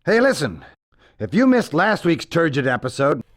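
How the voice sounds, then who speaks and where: Casting: a folksy cartoon host, showy introductions, raised pitch, very animated. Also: male voice, moderate pace. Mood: chatty, showy.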